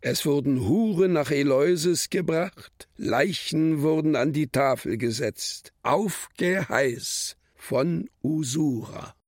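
An actor playing a solemn reciter of a poetic curse in a radio play, stark and measured. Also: male voice, a little high, darkish tone, dry recording, studio quality.

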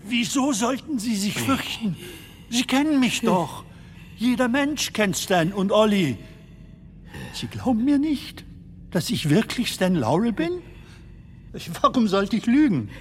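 An actor playing an elderly English comedian in a radio play, nervous, polite and chatty, with a hesitant, questioning manner. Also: male voice, high-pitched, big pitch swings, measured pace, slight background noise. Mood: pleading. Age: 70s.

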